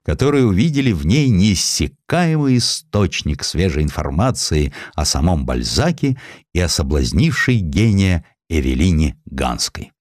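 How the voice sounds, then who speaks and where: Deep-voiced man, expressive literary narration. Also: no room sound, clean studio sound. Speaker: audiobook narrator. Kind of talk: scripted literary narration of a historical essay.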